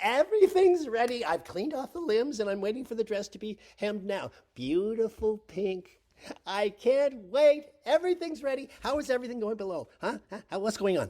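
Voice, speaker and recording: Someone performs a put-on character voice at a moderate pace with a fairly high pitch. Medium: read story.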